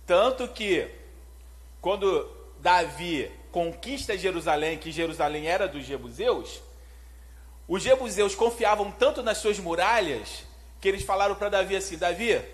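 A man preaching a sermon, animated and conversational, often putting questions to his listeners. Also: sits high, measured pace.

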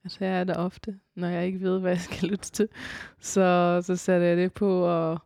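A woman, a composer and vocalist, talking as a guest in a casual radio interview and often pausing to search for words. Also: fairly low pitch, little pitch movement, gravelly, warm tone, dry recording, clean studio sound. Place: concert hall.

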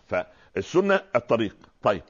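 A man with an Egyptian Arabic accent, a preacher explaining religious words in a lively talk-show conversation, often asking rhetorical questions. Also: on the low side, moderate pace, slightly rough, dull audio. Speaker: Islamic preacher, guest scholar.

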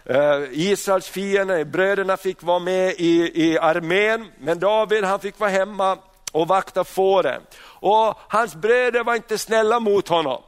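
A man with a notably high-pitched voice delivers a sermon. He talks in loose bursts, stumbling over and repeating words as he restarts sentences, and often throws rhetorical questions at his listeners. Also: clean tone. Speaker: preacher.

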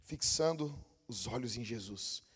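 A male pastor, preaching a fiery, slangy sermon that swings from shouts to hushed asides. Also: medium pitch, animated, a little slow, husky. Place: church hall. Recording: long church reverb.

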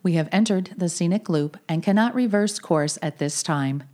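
A woman voicing a calm, overly smooth, bossy car AI that speaks in an even, polite, machine-like way in a comedy sketch. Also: fairly low pitch, moderate pace, close to an everyday voice. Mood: smooth, robotic. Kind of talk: comedy radio sketch acting.

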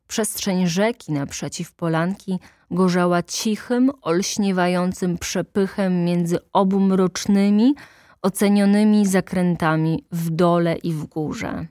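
Woman narrator, unhurried, deliberate; dry close-mic audiobook read. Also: lowish voice, darkish tone, no echo. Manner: measured, deliberate, dramatic pauses. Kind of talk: literary audiobook reading.

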